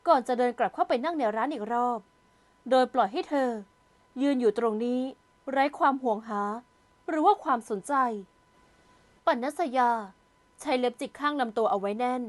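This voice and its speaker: A woman narrating a romance audio novel in a steady, measured storytelling voice. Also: high voice.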